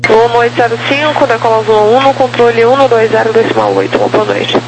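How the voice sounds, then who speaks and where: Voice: medium pitch, animated, quick pace, rough recording. An air traffic controller giving procedural tower instructions over aviation radio. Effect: aviation radio transmission. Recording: humming aviation radio, faint noise.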